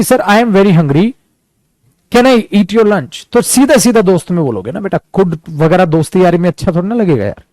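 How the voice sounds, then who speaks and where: A man's voice: sits high, a little mellow, no room sound. A man teaching an online English lesson in a chatty way, calling his students "beta" and acting out examples. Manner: acts out examples.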